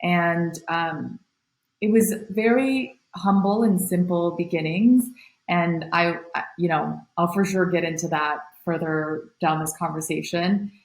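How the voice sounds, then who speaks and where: A woman's voice: fairly low pitch, measured pace, reverberant, low-quality recording. A young woman from Taiwan, a nonprofit founder, talking reflectively as a podcast guest with many fillers. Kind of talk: podcast interview.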